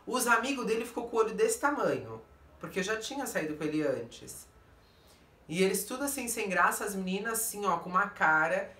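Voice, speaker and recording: A woman's voice: mid-range voice, lively intonation, a little fast, pushed and bright. A Brazilian woman vlogger with a Brazilian Portuguese accent, telling a story to her viewers in a blunt, emphatic way that keeps turning to her audience. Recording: roomy echo, distant mic.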